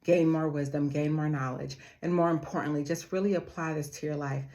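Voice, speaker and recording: A woman's deep, low voice stays steady and dark as she talks earnestly to her viewers, offering motivation and calling them "family." When she reaches her main points, she slows and repeats them for emphasis.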